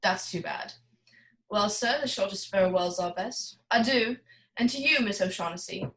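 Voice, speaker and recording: A man's voice: high voice, moderate pace, sharp tone, poor audio. Suave, mocking radio-noir villain, played by a man, florid and formal in delivery. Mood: mocking farewell. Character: suave, courtly, mocking male criminal in film noir. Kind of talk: 1940s radio play acting.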